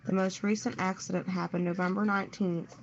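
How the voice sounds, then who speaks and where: A woman's voice: medium pitch, flat delivery, brisk. A woman co-host reading a news story aloud on a show. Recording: dull, noisy lo-fi stream audio.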